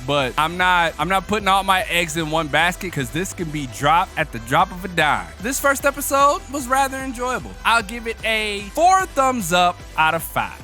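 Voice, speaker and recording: A young man recaps an anime episode in a loose, animated way, swearing and slinging slang as he goes. His voice is bright and forceful, pitched a bit higher than most men's, with faint music underneath. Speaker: anime reviewer. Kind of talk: casual episode recap and review.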